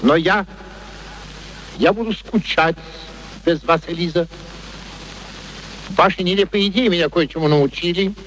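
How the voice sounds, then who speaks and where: An actor playing an arrogant, cutting scholar in a radio play, declaiming and arguing with scorn. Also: male voice, sits high, unhurried, long pauses, a bit bright, poor audio. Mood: wistful. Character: arrogant, self-absorbed male scholar, cutting and exasperated. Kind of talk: Soviet radio play acting. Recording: old radio play recording, faint noise.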